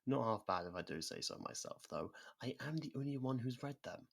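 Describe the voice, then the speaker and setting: A performer voicing a sadistic, centuries-old vampire in an ASMR roleplay, theatrical and mocking, slipping into slow whispers. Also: medium pitch, animated, vocal fry, husky, pitched above the performer's own voice. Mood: smug, curious.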